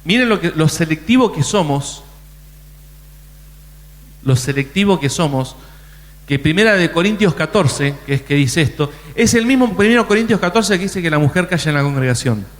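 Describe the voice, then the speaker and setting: A man's voice: fairly high pitch, lively intonation, normal speed, big-room sound. A man preaching a sermon in a conversational way, often restarting his sentences. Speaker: pastor.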